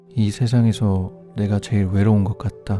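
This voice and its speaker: Over music in the background, a man speaks fairly slowly in a fairly low voice. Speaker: book narrator. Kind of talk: book trailer narration of poetry/essay.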